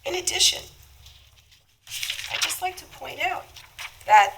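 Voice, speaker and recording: A woman on a town board, hoarse and losing her voice from a cold, speaking forcefully and indignantly in a public meeting debate. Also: very high-pitched, sing-song, measured pace, background noise. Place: town hall meeting room.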